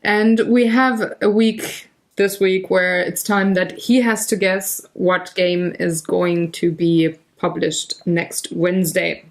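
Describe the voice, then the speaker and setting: A woman's voice: on the low side, steady tone, slow pace, hardly any pauses. A woman with a German accent hosting a board game podcast in a playful, self-mocking way, fighting a cough. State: coughing, using cough drops. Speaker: podcast host. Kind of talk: casual chat.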